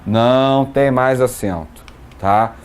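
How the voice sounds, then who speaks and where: A man teaching a grammar lesson, patiently explaining rules, listing example words and checking understanding with quick questions. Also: medium pitch, clear, resonant tone.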